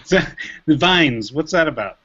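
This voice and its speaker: A man's voice: fairly high pitch, lively intonation, measured pace, pushed and bright. Male host moderating a video-call panel. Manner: asks questions, calls on guests. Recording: dull lo-fi video call audio.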